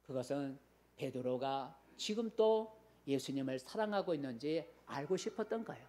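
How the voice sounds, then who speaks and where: A male pastor preaching in a middle-pitched voice, talking plainly and conversationally. He repeats key phrases and turns to the congregation with questions. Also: lively intonation, moderate pace, a little mellow. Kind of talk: sermon.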